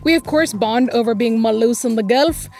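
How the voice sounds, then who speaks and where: A woman's voice: a little high, moderate pace, darkish tone, faint music behind. A woman hosting a podcast, introducing her guest and asking questions in a playful, upbeat way. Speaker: podcast host. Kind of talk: podcast interview.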